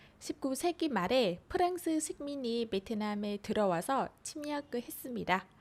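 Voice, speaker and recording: Very slowly and with very wide pitch swings, a woman with a high pitch speaks in a Vietnamese accent. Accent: Vietnamese-accented Korean. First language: Vietnamese (speaking Korean). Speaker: language teacher. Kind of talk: educational talk to camera. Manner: slightly halting, with fillers.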